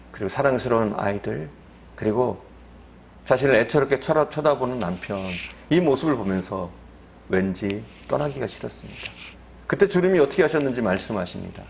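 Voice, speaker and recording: Gravelly-voiced male pastor telling a story. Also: medium pitch, a little hiss or hum. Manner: storytelling, slow and deliberate. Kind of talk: sermon. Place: church.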